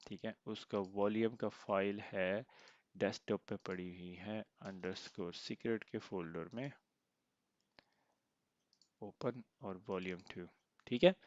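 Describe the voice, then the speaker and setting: Guy teaching a computer class, deepish voice, bit of a sore throat, lo-fi mic, keys clicking behind. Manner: explains step by step, often asks "theek hai?". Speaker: IT instructor. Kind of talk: screen-recorded software tutorial.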